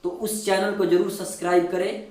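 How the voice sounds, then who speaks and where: A man's voice: high voice, level tone, moderate pace, darkish tone. A man who plays keyboard, talking casually to viewers between demos and checking in with them again and again. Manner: chatty, repeatedly checks in with listeners. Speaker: keyboard player and music teacher. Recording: echoey room, distant mic, keyboard music behind. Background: keyboard music.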